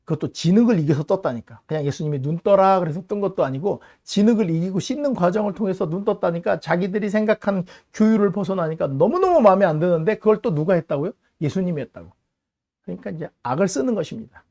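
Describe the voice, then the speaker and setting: A pastor delivering a sermon, retelling a Bible story in an animated way and acting out the voices of the people in it. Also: male voice, sits high, fast talker.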